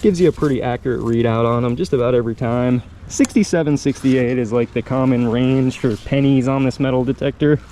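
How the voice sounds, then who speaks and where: A man's voice: mid-range voice, a little fast, few pauses, mellow. A man chatting casually and musing aloud in a laid-back, slangy way as he hosts an outdoor metal detecting vlog in a park. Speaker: host of a metal detecting channel. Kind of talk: casual outdoor vlog chat, thinking aloud while searching. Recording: outdoor park ambience with clear background noise. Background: park ambience.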